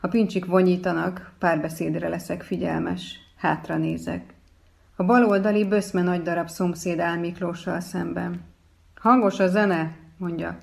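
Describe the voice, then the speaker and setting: Woman narrator, low voice, gravelly fry, calm measured reading. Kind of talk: first-person story reading.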